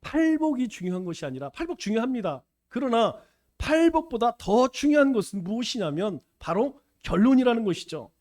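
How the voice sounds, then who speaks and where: In an extremely high, sing-song voice with a darkish tone, this male pastor preaches briskly in Chungcheong-accented Korean. His sermon is folksy and playful, full of acted-out dialogues.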